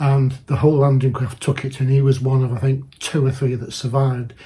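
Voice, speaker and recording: Somewhat breathy, with a dark, mellow tone, a man speaks at medium pitch and a moderate pace. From northern England, Salford near Manchester. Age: 70s. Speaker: woodworking YouTuber. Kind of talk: casual vlog monologue. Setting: workshop. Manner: halting, with restarts and fillers.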